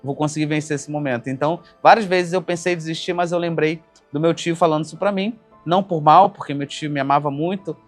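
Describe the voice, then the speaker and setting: A man's voice: on the high side, fairly even intonation, quick pace, few pauses, faint music behind. A man from Rio de Janeiro, a company founder casually telling his life story, often ending phrases with "né?". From Brazil, Rio de Janeiro. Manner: casual, narrates with frequent "né?" tags. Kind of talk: documentary-style personal storytelling.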